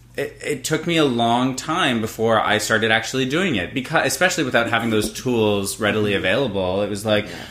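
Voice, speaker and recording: A man's medium-pitched voice at a fairly quick pace, hardly any pauses, with noticeable background noise. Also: ordinary pitch variation. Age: 30s. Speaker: theater actor. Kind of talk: casual interview.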